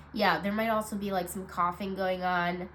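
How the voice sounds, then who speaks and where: A woman with a stuffed-up, nasal voice giving a casual weekly card reading, low on energy and rambling with many fillers. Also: steady tone, slow, slight background noise. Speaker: tarot card reader.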